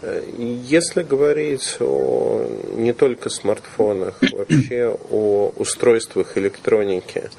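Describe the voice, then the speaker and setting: A man's voice: on the low side, animated, slow, vocal fry, few pauses, dark tone, slight background noise. A man working as an interviewer, putting conversational questions carefully and rephrasing as he goes.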